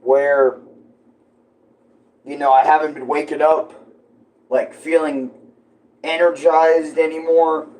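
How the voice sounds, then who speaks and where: A man's voice: on the high side, little pitch movement, slow pace, pauses often, darkish tone, low-quality recording. A young man vlogging from home with a tablet mic, rambling casually with lots of fillers, his voice a little froggy. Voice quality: froggy voice at times. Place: at home, in a kitchen. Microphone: tablet propped up nearby.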